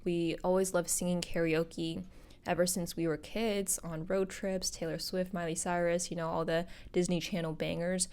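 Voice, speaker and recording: A young woman hosts her solo podcast in a bubbly, upbeat way, talking straight to her viewers. Her voice sits a little low and sounds husky today because she is a little sick. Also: little pitch movement, moderate pace, darkish tone. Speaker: podcast host and content creator. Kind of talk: casual solo podcast talk.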